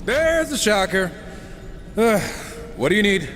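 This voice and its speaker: A man's voice: sits high, big pitch swings, a little slow, fairly bright tone, slight background noise, full character voice. An actor playing an irreverent, sardonic gunslinger horseman in a game cutscene, talking with casual, cocky sarcasm. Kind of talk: video game cutscene acting. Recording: long reverb with faint music.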